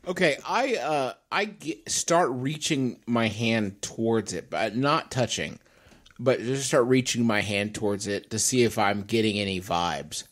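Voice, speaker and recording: A man's voice: medium pitch, a little slow. A man playing a tabletop game, declaring his character's actions in a playful, goofy way. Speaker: player.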